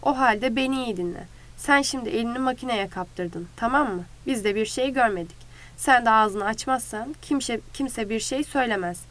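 A woman voicing a calm, authoritative man who takes charge in a storybook reading. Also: fairly high pitch, moderate pace, hardly any pauses, lightly acted. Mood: firm. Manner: firm, level-headed. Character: calm authoritative male ranch leader.

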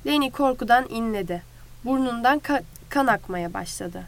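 A woman's voice: a little high, expressive, normal speed, gravelly. A woman narrating a novel aloud in a vivid, dramatic storytelling style. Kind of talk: audiobook narration.

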